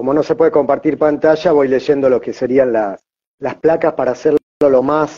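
Fairly high-pitched, a man's voice carries a dark, mellow tone. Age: 50s. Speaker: psychologist and coach. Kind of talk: interview conversation.

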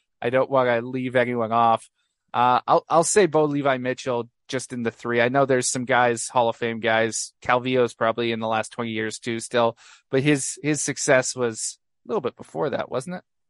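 In a plain, everyday voice, a man speaks at a moderate pace in a medium pitch with fairly even intonation, the sound dry and close with no echo over a quiet background. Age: 20s. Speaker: football writer. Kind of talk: casual chat.

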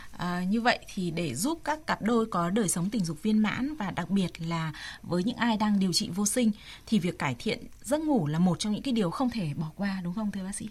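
A woman talks at a fairly quick pace with lively intonation. Her voice is medium in pitch and somewhat breathy. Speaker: radio host. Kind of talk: radio call-in show. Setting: studio. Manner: polite.

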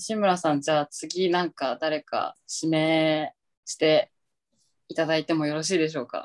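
A woman speaks at a moderate pace in a very deep, low pitch with fairly even intonation. The sound is dry and close, with no echo. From Japan, Aichi. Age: 20s. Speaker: podcast host. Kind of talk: casual chat. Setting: live recording with audience. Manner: laughing often.

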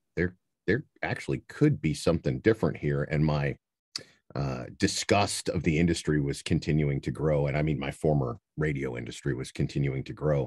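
A man with a very deep, low pitch speaks at a moderate pace, with vocal fry and ordinary pitch variation. The recording is very clean, with a silent background and a dry, close sound with no echo. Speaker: voice actor and coach. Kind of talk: casual interview chat. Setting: studio.

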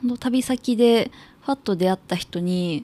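This woman has a dark, mellow tone and ordinary pitch variation, recorded very cleanly against a silent background. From Ehime, Japan (Hojo area near Matsuyama). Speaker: guesthouse manager. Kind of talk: casual chat.

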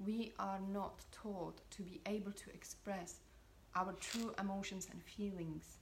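A woman speaks with a Czech accent at a medium pitch. Her intonation is monotone and flat. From Czech Republic. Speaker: well-being coach. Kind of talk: casual interview chat.

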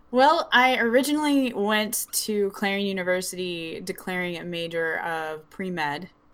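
A plain, everyday voice: a woman of medium pitch with an American accent at a moderate pace, with lively intonation, big swings in loudness and hardly any pauses. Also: very clean recording, silent background. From rural Western Pennsylvania. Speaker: podcast co-host, artist and small business owner. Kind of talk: casual chat.

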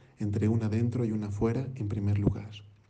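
With audible room echo, a man speaks at a moderate pace in a fairly low pitch and fairly even intonation. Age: 20s. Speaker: independent scholar, gender theory. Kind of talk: reading aloud a lecture.

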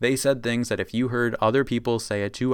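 A man's medium-pitched voice at a fairly quick pace, fairly even intonation, in a very clean recording with a silent background. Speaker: podcast host. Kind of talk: solo monologue commentary. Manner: fast; casual with fillers.

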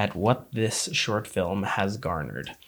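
A man with vocal fry at a very slow pace, in a very clean recording over a silent background. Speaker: podcast host. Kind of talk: casual solo podcast monologue. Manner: rambling, self-deprecating.

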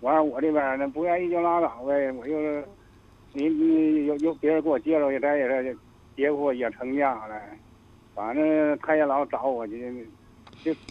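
At a moderate pace broken by long, frequent pauses, a man speaks with a fairly high pitch. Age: 50s. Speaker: caller. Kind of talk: call-in advice show. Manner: halting.

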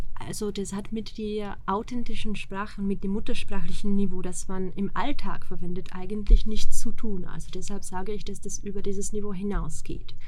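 A woman speaks at a moderate pace and medium pitch in monotone, flat intonation, with noticeable background noise and audible room echo. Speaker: German teacher and examiner. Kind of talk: interview.

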